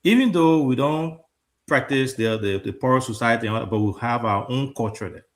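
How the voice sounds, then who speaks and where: A man's voice: mid-range voice, expressive, normal speed. A Liberian man in his thirties with a Liberian accent, hosting a talk show in an earnest, conversational way and often repeating words as he restarts. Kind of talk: casual talk show discussion.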